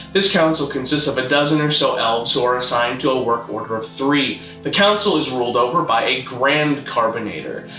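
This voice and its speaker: A man hosting an educational video, narrating a scripted mock-academic lecture in a deadpan, didactic way. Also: mid-range voice, roomy sound, poor audio. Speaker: host, video essayist on constructed languages.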